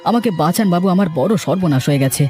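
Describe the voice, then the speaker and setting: Man doing a high-pitched, desperate poor villager. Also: lively intonation, darkish tone, faint music behind. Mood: desperate pleading. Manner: pleading, halting, servile.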